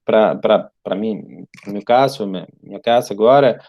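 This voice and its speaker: A middle-aged Argentine professor, a native Spanish speaker, lectures informally in a halting mix of Portuguese and Spanish, repeating words and adding tag questions. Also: male voice, fairly low pitch, lo-fi sound. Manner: often ends phrases with a tag question. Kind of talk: informal online lecture and discussion.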